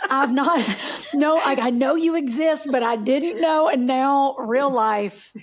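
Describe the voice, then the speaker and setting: A woman's voice: high voice, takes it slowly. A woman co-hosting a podcast, bubbly and effusive in casual chat, saying "y'all.". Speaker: podcast co-host.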